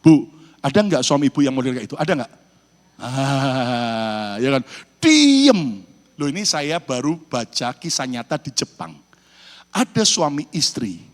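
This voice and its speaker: A man from Indonesia preaching a sermon as pastor, animated and calling out to his congregation. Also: mid-range voice, normal speed. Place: church hall in New York. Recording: reverberant church hall.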